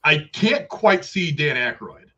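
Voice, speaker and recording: Bright-voiced rambling podcast man. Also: fairly high pitch, animated, a little slow, muffled recording. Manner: rambling, repeats words, reads trivia aloud. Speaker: podcast co-host. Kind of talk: casual movie review chat.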